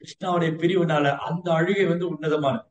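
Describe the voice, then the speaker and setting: A man delivers a devotional lecture in a storytelling manner, dropping English words in as he goes. His voice sits high for a man. The room around him is echoey. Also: fairly even intonation, brisk, dull audio. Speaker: Vaishnava teacher.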